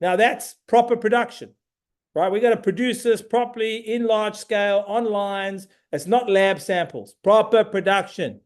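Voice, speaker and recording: A middle-aged man with a fairly high voice delivers a product update as CEO. He talks in punchy, emphatic phrases and lays out his points step by step. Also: moderate pace. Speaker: company CEO. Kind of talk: shareholder update presentation.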